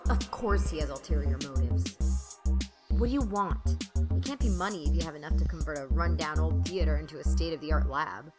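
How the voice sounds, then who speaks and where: A woman's voice: deep voice, moderate pace, over loud music, lightly acted. A woman playing an exasperated, sarcastic heroine who also narrates an audio drama, blunt in manner. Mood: annoyed, wary. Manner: sardonic, blunt. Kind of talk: audio drama acting with first-person narration.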